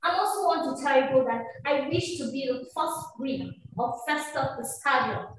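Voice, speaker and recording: A woman's voice: high voice, moderate pace. A young woman with a Nigerian accent giving a formal, rehearsed presentation over a video call from an echoey room. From Cross River State, Nigeria. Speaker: contestant. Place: small hard-walled indoor room. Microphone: webcam microphone from a distance. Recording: echoey room, distant mic, background noise.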